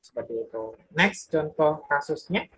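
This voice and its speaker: A young adult presenter giving a casual explanatory talk to a community group, pausing often with filler sounds and correcting themselves mid-sentence. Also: mid-range voice, expressive, a bit bright, breathy edge, poor audio. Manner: hesitant, many filler sounds and self-corrections.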